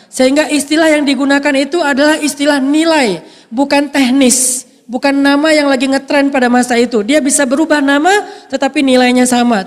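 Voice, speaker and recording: A man giving a humorous sermon, acting out little scenes with a soft voice that people often take for a woman's. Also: very high voice, long reverb tail. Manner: playful, acts out little scenes. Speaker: preacher.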